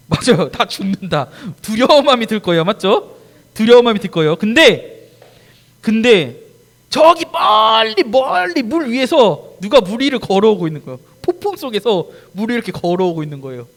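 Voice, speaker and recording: High, lively male children's preacher. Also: vocal fry. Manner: animated storytelling, acting out scenes and quizzing the kids. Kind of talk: children's sermon. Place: church.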